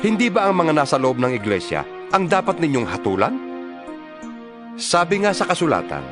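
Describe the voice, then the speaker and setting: A man's voice: a little high, sing-song, normal speed. A man playing a stern, impassioned apostle in a dramatized scripture reading, admonishing his church with emphatic, preacherly delivery. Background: music behind the voice.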